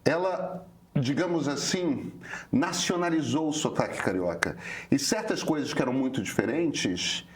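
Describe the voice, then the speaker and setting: A man in his fifties with a Rio de Janeiro carioca accent, explaining things in a relaxed talk-show chat, hesitant with frequent filler restarts. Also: mid-range voice, unhurried. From Brazil, Rio de Janeiro. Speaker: journalist co-host. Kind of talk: casual conversational explanation.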